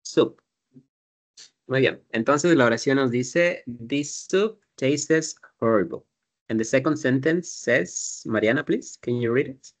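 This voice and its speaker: A man's voice: mid-range voice, unhurried. Patient male teacher. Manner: patient, explains step by step, drills pronunciation. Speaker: English teacher. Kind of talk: classroom teaching.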